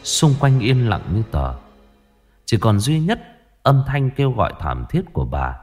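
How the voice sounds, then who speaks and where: A man narrating a ghost story in a lively way. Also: mid-range voice, unhurried, slightly rough, faint music behind.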